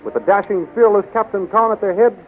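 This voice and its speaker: A man's voice: high voice, brisk. A man narrating a 1930s radio adventure serial as announcer, in formal, dramatic scripted declamation. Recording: tinny, faintly noisy 1930s radio recording.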